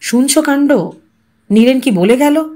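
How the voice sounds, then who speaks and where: A woman's voice: high voice, unhurried, dark tone. A woman voicing a blustering, self-satisfied working husband who talks colloquially in an audiobook story. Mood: excited, boastful. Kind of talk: audiobook character dialogue.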